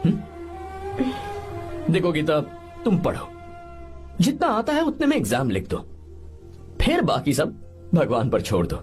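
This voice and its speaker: An earnest young man, lively speech. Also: on the high side, measured pace, long pauses. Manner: reassuring, earnest. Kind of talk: Hindi film dub. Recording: dubbed film with loud background music.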